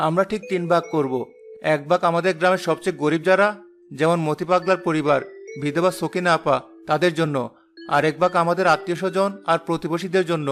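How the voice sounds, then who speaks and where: A modest, faithful father in an animated village tale, played by a man, explaining his beliefs with steady earnestness. He talks fast, in a fairly high voice. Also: faint music behind, natural voice. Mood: gentle. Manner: earnest, gently preaching. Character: poor, devout village father, humble and calm.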